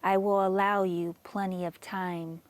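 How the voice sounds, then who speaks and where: A woman leads a guided meditation from a script. Her voice sits at a medium pitch. She speaks slowly and evenly in a soothing way, leaving generous pauses between phrases. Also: level tone. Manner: slow, measured, soothing delivery with long pauses.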